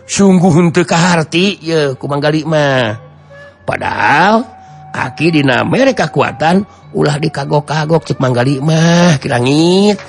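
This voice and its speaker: A man's voice: on the high side, lively intonation, unhurried, vocal fry, soft background music. A man voicing a boastful martial fighter who pleads and complains repetitively, with a Sundanese accent, in a radio drama. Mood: pleading, whining.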